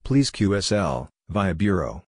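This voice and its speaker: A man with a very low voice reads amateur radio phrases slowly, one clipped chunk at a time. The recording is dry and close, with no room sound around him. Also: sing-song, no room sound. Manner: measured, clipped reading of radio jargon. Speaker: Morse code practice instructor.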